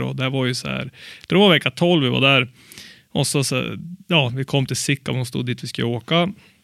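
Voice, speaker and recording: At a moderate pace, a man speaks at medium pitch with a bright, sharp tone. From Sundsvall, northern Sweden. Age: 30s. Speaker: snowmobile shop owner. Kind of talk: casual chat.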